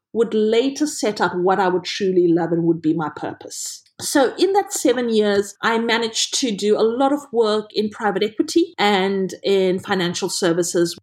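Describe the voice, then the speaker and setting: A woman's voice: mid-range voice, a little mellow. A middle-aged woman with a South African accent, a podcast guest telling her career story in an earnest, reflective way over a remote call. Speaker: guest, HR director. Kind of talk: podcast interview, personal story.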